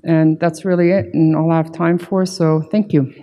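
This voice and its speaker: A woman's voice: low-pitched, fairly even intonation, normal speed, mellow, lo-fi sound, a little hiss or hum. A middle-aged woman giving a conference talk from a podium, explaining things in an emphatic, informal way with plenty of conversational check-ins. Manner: emphatic, informal, peppered with "right" and "you know". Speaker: conference keynote speaker, security consultant. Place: large conference hall stage at a podium. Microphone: podium gooseneck microphone. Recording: hall reverb from a PA.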